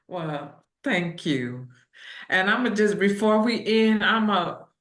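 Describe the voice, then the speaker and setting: A woman speaks very slowly at a medium pitch with lively intonation, and the room echo is audible. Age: 60s. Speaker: pastor and grief ministry host. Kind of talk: casual interview.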